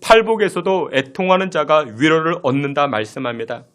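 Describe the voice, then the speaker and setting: A man's voice: fairly high pitch, expressive, fairly quick, a bit bright. A male pastor preaching a sermon, emphatic, posing rhetorical questions and acting out the complaints of his listeners.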